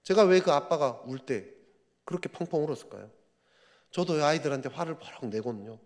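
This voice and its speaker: A man preaches at a midweek service in a conversational, storytelling way, often asking the congregation to agree. His voice sits a little high and moves up and down a lot. The sound rings with the long reverb of a church sanctuary. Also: animated, brisk, a little mellow. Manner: conversational storytelling, frequent rhetorical asides. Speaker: pastor. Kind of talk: sermon at a midweek prayer service.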